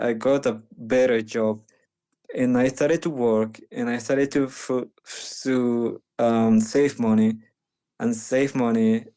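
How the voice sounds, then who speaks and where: Guest: young Panamanian man, slow and mellow, halting speech full of restarts, second-language speaker. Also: medium pitch, clean tone. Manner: halting, many restarts and fillers. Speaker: guest, medical missionary. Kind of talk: conversational interview.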